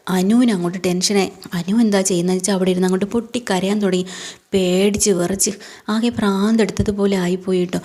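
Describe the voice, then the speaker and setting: A woman's voice: mid-range voice, fairly even intonation, fast talker, warm tone. A woman casually retelling a television serial episode, chatty and colloquial with frequent tag words and fillers. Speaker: serial recap narrator. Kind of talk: casual spoken story recap.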